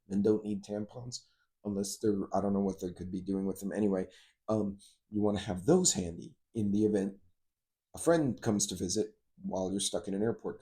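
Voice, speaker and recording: A middle-aged man with a low, very mellow and relaxed voice. He talks like a vlogger giving informal advice, wandering off into asides as he goes. The delivery is conversational and unscripted. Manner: rambling, conversational, frequent asides. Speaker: host of a preparedness and travel channel. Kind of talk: casual informal vlog monologue with advice.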